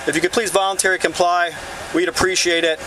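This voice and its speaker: An American man working as a law enforcement officer makes formal, measured announcements, polite but firm in his commands. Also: high voice, little pitch movement. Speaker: law enforcement officer giving dispersal orders. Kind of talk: formal public announcements and radio updates. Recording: noisy outdoor bodycam, loud vehicle noise. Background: vehicle and street noise.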